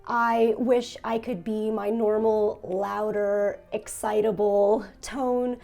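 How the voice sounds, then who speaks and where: A young woman hosting a casual food-tasting vlog, hoarse and nearly losing her voice, talking in a subdued, raspy monotone with small laughs. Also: mid-range voice, takes it slowly, faint music behind. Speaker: food vlogger. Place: her home in Japan.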